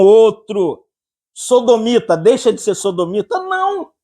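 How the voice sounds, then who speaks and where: A man's voice: very high-pitched, a little mellow. A man with a Brazilian accent preaching a humorous sermon, joking, laughing often and acting out anecdotes.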